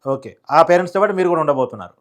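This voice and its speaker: A man hosts a live news phone interview. He fires off questions very quickly at a medium pitch. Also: lively intonation.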